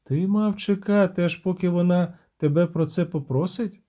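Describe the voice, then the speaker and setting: Man doing a stern regal dryad queen, raised pitch, reproachful questions, mellow tone, audiobook reading. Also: moderate pace, lightly acted.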